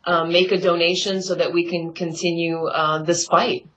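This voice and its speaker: A woman's voice: fairly low pitch, little pitch movement, moderate pace, fairly bright tone, poor audio. A woman activist calling in to a show as a correspondent, giving earnest political commentary.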